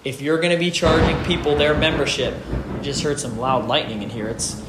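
Fairly quick and fairly high-pitched, a man delivers heartfelt, informal motivation to his peers, emphasizing and repeating his core phrases. He's a gym owner who hosts a fitness business show, talking from beneath the roof of his outdoor home gym in a storm. Echo fills the space, and rain beats on the roof.

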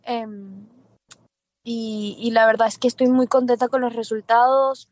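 A woman singer being interviewed, talking casually in a lively, quick way. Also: on the high side. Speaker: singer guest.

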